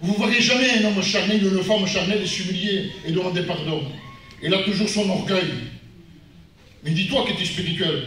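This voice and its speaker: A man with a high, bright voice preaches a sermon, sharing a family testimony and swinging from quiet asides to loud, lively outbursts. He sounds distant from the mic, and his voice rings through a very echoey church hall. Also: a little hiss or hum. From France. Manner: animated, rises loud and high when retelling events. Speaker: guest pastor.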